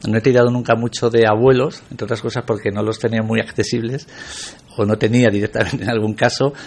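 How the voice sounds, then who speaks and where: A man's voice: fairly low pitch, fairly even intonation, fast. A middle-aged man from Spain, a guest on a radio interview, talking reflectively with many hesitations.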